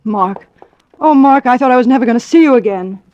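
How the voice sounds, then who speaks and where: A woman's voice: on the high side, a little fast, highs cut off, natural voice. A woman playing an anxious young wife in a vintage radio drama, narrating her story breathlessly and pleading. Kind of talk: 1940s radio acting. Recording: old radio broadcast with music.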